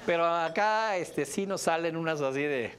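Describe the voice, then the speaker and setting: A middle-aged man with a Mexican Spanish accent, lecturing a class in a joking, animated way with sudden high exclamations. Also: normal speed, a little hiss or hum. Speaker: instructor.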